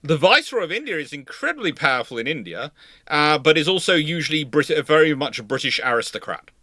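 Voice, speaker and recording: Bright-voiced man discussing history live. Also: on the high side, very animated, fast, no echo. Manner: hesitant, self-correcting, emphatic repetition.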